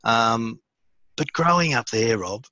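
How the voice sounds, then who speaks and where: An Australian man in his fifties, born in India, telling his life story as a podcast guest in a relaxed way with many fillers and restarts. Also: mid-range voice, takes it slowly, no room sound, dull audio. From born in India, raised in Sydney, Australia. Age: 50s. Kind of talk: conversational storytelling.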